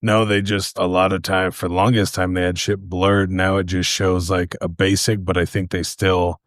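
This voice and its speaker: A man co-hosting a podcast, talking through stories in loose casual chat. His voice is very low, and his delivery is laid-back and peppered with swearing. The recording is close and dry. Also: level tone, moderate pace, no echo. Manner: laid-back, profane, storytelling. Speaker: podcast co-host.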